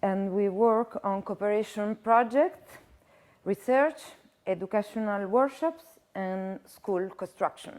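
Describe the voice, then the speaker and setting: A woman with an Italian accent, medium pitch, ordinary pitch variation and a very slow pace. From Italy. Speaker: architect. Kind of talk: lecture. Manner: halting.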